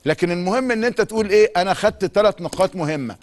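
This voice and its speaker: A middle-aged man with an Egyptian Arabic accent, a sports talk show host delivering an emphatic monologue full of repeated insistent phrases. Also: high voice. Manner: rapid, emphatic, repetitive insistence. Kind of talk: monologue commentary.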